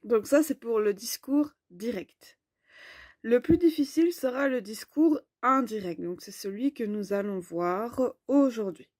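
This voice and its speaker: Slow, patient woman teaching grammar. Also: on the high side, animated, darkish tone, no echo, studio quality. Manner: slow, clear, explanatory. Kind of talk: online grammar lesson.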